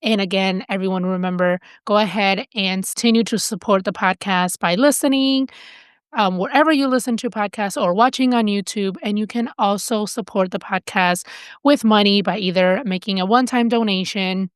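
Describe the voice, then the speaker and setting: A woman's voice: mid-range voice, moderate pace, clean tone, no echo, studio quality. A woman hosting a podcast, reading a sponsor announcement and introducing her guest in an upbeat, effusive way. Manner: upbeat and effusive, repeats thanks. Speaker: podcast host.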